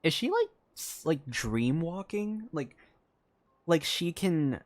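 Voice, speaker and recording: A woman streamer casually reacting to gameplay, talking in a halting, filler-heavy way. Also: sits low, big pitch swings. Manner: halting, repeats "like" often.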